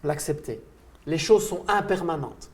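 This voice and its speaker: A man hosting an interview, enthusiastic and full of praise and quick interjections. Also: fairly high pitch, expressive. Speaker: host and coach. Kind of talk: interview host.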